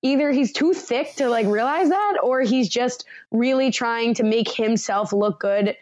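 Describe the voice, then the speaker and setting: A woman's voice: fairly high pitch, a little slow, dry recording. Chatty woman podcast co-host, dry sound. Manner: laughing, chatty, animated retelling. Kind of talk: casual recap chat.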